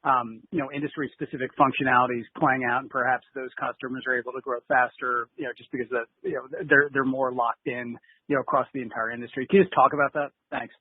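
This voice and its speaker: A man's voice: mid-range voice, level tone, fast, breathy edge, dry recording. A man speaking as a financial analyst on an earnings call, asking a rambling, informal question. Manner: rambling, peppered with "you know". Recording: dry, tinny phone line.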